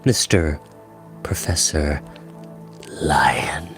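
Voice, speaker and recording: A cold, menacing storybook villain, played by a male reader, speaking very low. He takes his words slowly and deliberately, keeping the threat soft and conversational. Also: soft background music, exaggerated voice. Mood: cold, threatening. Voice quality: deep, cold voice. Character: tall, cold, menacing man, quietly sinister villain. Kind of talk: dramatic audiobook character reading.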